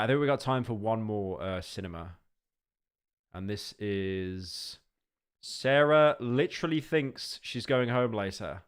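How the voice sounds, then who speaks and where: A man streaming live and reacting to videos in a loose, casual way. He rambles a little and talks to his chat like friends. His voice sits at an average pitch. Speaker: livestreamer. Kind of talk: casual livestream reaction commentary.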